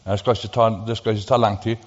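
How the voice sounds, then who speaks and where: A man preaching, telling a personal testimony in a halting, then fervent and animated way. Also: lowish voice. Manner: animated, rising to fervent emphasis; halting with fillers and restarts. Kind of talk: sermon testimony storytelling. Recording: dull sound with long hall reverb.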